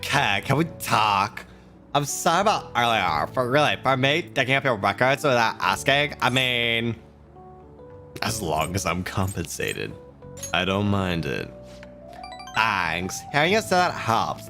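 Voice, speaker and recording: A man's voice: medium pitch, sharp tone. A man reading game dialogue aloud as a brash, hard-drinking female journalist in a tipsy drawl. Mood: determined.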